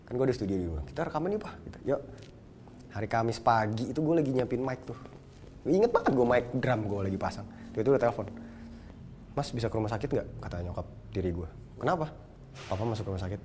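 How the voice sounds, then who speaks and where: Fast-talking man telling a story. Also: on the low side, lively intonation, a little mellow, slight background noise. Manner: slangy Jakarta street talk, quick and storytelling. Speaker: guest telling a personal story. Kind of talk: casual chat.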